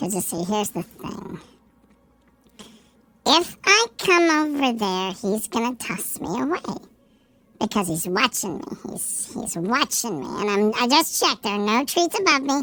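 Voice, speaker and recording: A female-sounding voice puts on a character voice at a fairly high pitch. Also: moderate pace. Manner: plaintive, scheming.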